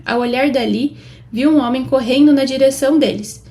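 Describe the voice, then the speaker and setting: A woman with a Brazilian Portuguese accent reading Bible passages aloud, with a steady delivery that lifts for quoted speech. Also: high voice, normal speed. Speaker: Bible reader.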